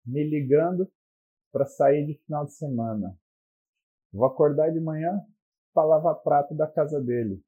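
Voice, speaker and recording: A man's voice: fairly high pitch, unhurried, long pauses, slightly rough, narrow, tinny audio. A man with a Brazilian Portuguese accent voicing a weary woman who dreads starting a new relationship, grumbling in exasperation. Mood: exasperated.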